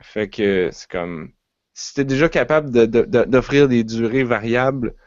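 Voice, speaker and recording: A man with a Quebec French accent talks loosely on a podcast, circling back on his words with fillers and restarts. His voice sits at a middle pitch. The recording is dry and a little dull. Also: unhurried, darkish tone, no room sound. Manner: rambling, many restarts and fillers. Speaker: podcast co-host. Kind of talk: casual chat.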